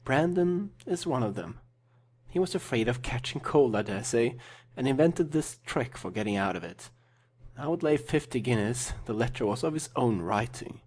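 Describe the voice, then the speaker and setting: A man playing a sardonic young gentleman in a dramatised classic novel, husky and drily mocking. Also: medium pitch, lively intonation, moderate pace. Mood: mocking, confiding. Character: sardonic, smooth-talking young English gentleman.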